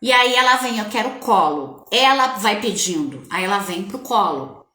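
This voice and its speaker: A woman parenting coach giving a casual live-stream talk, speaking straight to her viewers in a lively, conversational way. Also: medium pitch, moderate pace. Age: adult with a child. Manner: animated, conversational, addresses viewers directly. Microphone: webcam or phone on a live stream. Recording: echoey room.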